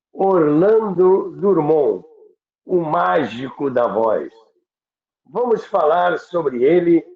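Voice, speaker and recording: Man, Brazilian accent, slightly high-pitched, deliberate emphatic storyteller, talk show host, boxy band-limited sound. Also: reverberant, phone-quality sound. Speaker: radio history show host. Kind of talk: conversational presenting and storytelling.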